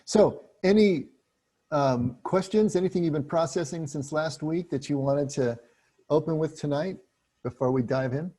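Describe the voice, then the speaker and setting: A man leading a group book study, explaining passages in a relaxed, chatty way with frequent restarts. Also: on the high side, moderate pace.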